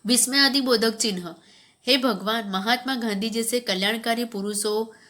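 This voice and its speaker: A woman's voice: on the high side, moderate pace, bright, forceful tone. A woman teacher giving a grammar lesson to schoolchildren, reading from the textbook and asking the class questions. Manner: explains, then repeats points as questions to the class; reads textbook passages aloud, then explains them.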